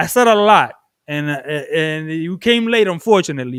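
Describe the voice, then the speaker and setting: In a very clean, dry and close recording with a silent background and no echo, a man speaks at a moderate pace and a fairly high pitch, with lively intonation and an animated tone. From New York (East Harlem), born in Puerto Rico. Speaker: boxing commentator. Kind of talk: livestream commentary. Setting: livestream. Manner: casual, animated.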